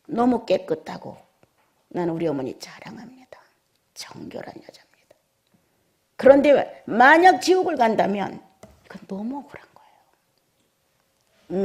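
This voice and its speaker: A woman's voice: on the low side, warm tone. A middle-aged woman preaching a Sunday sermon. She tells a personal story dramatically, drops into whispers, then builds to fervent exhortation.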